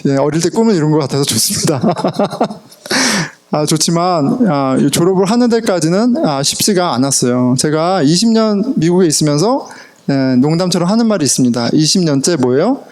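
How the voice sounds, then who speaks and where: A man's voice: fairly high pitch, moderate pace. A middle-aged man preaching a sermon as pastor, telling personal stories with laughter and English words mixed in. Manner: animated storytelling, laughs often, mixes in English words. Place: church sanctuary.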